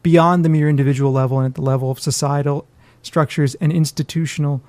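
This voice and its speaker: A man's voice: fairly high pitch, fairly even intonation, fast talker, a little mellow, no room sound. A man co-hosting a podcast, talking casually and emphatically about his opinions. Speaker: podcast co-host.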